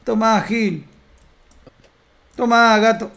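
A man with an Argentine accent, bantering loudly in slang while streaming a role-play game. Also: high-pitched, steady tone, very slow, creaky. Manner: loud, joking slang-heavy banter. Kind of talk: casual role-play chat.

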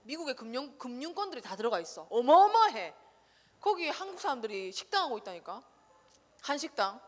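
A woman preaching a casual sermon to children, animated and firing rhetorical questions at her listeners. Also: sits high, fast. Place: church sanctuary. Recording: long reverb of a church hall.

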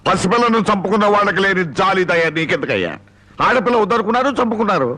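A man's voice: sits high, expressive, quick pace, pushed and bright, full character voice, rough recording. An actor playing a domineering village headman who threatens an outsider, in a film soundtrack with music behind. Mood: threatening. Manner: threatening, commanding.

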